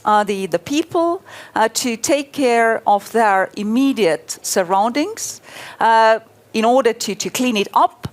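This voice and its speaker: A woman from Estonia moderating a panel discussion, speaking hesitantly with many filler sounds. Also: mid-range voice.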